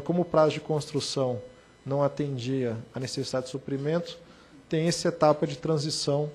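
A Brazilian man, a board director, reading a formal case report in a measured way, with brief spoken asides. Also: on the high side, a little mellow, husky. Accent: Brazilian Portuguese.

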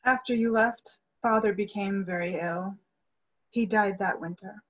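A woman's voice: medium pitch, a little slow, highs cut off, close to an everyday voice. A young woman acting an earnest, grieving young soprano devoted to her father in a dramatic play reading. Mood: wistful, sad. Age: young adult. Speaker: actress in a virtual staged reading. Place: indoor room, video call. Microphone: video call microphone.

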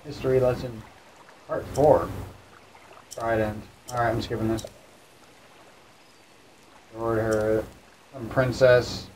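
A man's voice: fairly low pitch, level tone, takes it slowly, long pauses, a little mellow. A man giving casual let's-play commentary, rambling and muttering to himself as he plays. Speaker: gaming host. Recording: distant mic, clear background noise.

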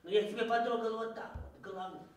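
A man's voice: very high-pitched, fairly even intonation, quick pace. A man playing a cheerful, caring clown who teaches children how to stay healthy, recorded in a children's TV studio. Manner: fussy, instructive, talks to children. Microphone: distant camera mic. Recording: echoey studio from far off.

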